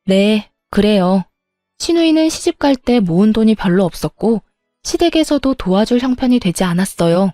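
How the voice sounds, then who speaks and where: A woman narrating a first-person story in a calm, matter-of-fact way. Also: fairly high pitch, fairly quick, no room sound, clean studio sound, faint music behind.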